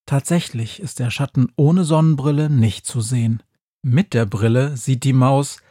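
Husky male audiobook narrator. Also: mid-range voice, darkish tone, no echo, clean studio sound. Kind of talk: audiobook narration of a children's story.

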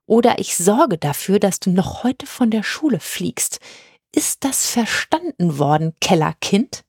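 A woman's voice: medium pitch, big pitch swings, unhurried, a little mellow, husky, no echo, clean studio sound, exaggerated voice. A woman voicing an arrogant aristocratic teenage boy who hisses half-whispered threats. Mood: menacing.

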